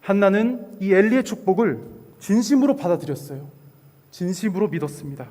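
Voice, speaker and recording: A man preaching a children's sermon as a gentle, expressive story. His voice sits high for a man. It is recorded in a church sanctuary with a long reverb. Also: brisk. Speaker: pastor.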